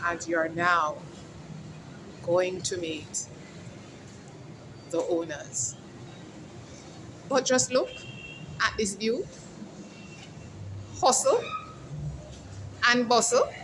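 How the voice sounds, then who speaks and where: A woman's voice: fairly low pitch, drawn-out words, long pauses, background noise. A woman hosting a casual outdoor interview vlog, chatty and calling her viewers "guys". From Jamaica. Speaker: host. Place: outdoors at a mall food court.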